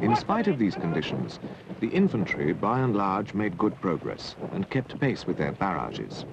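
With a British accent, a man speaks at a moderate pace over noticeable background noise. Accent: British, received-pronunciation style. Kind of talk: scripted narration. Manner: formal, measured documentary delivery.

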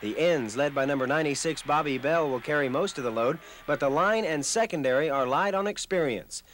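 At a moderate pace, a man with a fairly high pitch and ordinary pitch variation speaks at very even loudness in a plain, everyday voice. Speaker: sports reporter. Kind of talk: 1983 sports broadcast narration.

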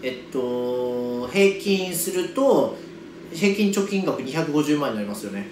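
At a moderate pace, a man speaks in a fairly high pitch with very wide pitch swings, audible room echo and light background noise. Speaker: IT educator and digital marketer. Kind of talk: casual vlog talk. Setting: karaoke room. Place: booth.

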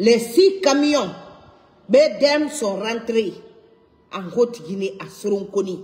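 Speaking very slowly with long, frequent pauses, a woman uses a fairly high pitch that swings very widely, and her loudness swings a lot too. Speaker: political commentator on video channel. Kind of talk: direct-to-camera political address. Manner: indignant, urgent.

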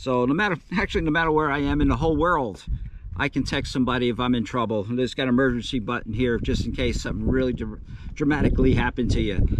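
A man talks at a very fast pace with lively intonation, the sound dry with no echo and light background noise. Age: 60s. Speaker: full-time overlander living in his vehicle. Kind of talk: casual talk to camera. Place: open country. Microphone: phone near.

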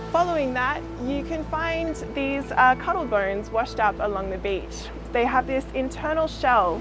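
Clear music plays in the background as the speech moves at a fairly slow pace, with a dry sound and no echo. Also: woman. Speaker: marine educator. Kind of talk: interview answer. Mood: enthusiastic, smiling. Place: waterside.

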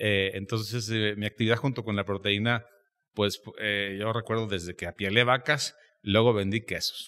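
Against a quiet background, a man with a fairly low pitch talks at a moderate pace in a monotone, flat way. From Mexico. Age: 50s. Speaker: meat industry business owner; podcast guest. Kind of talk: casual interview chat. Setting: industry congress. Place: studio. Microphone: studio mic.

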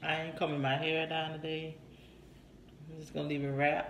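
A woman talks at a fairly quick pace with fairly even intonation, with audible room echo and light background noise. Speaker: mukbang vlogger. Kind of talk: casual vlog chat. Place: home room. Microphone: phone near.

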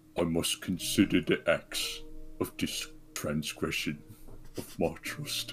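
A put-on character voice moves at a fairly slow pace with long, frequent pauses as clear music plays in the background. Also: man, very deep, low pitch for a man. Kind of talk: archaic devotional speech. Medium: actual play. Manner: reverent, groveling, formal.

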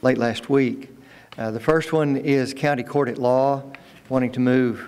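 A man at a fairly slow pace, his intonation monotone and flat. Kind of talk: formal report to a public meeting. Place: meeting room. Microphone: podium.

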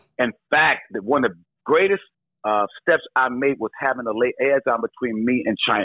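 Speaking at a moderate pace, a man with a plain, everyday voice keeps a medium pitch and ordinary pitch variation. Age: 50s. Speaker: pastor and fitness entrepreneur. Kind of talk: interview answer.

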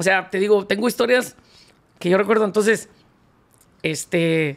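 With long, frequent pauses, a man speaks. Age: 40s. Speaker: norteño musician, accordionist and band leader; interview guest. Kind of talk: interview, casual storytelling. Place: studio. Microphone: studio mic.

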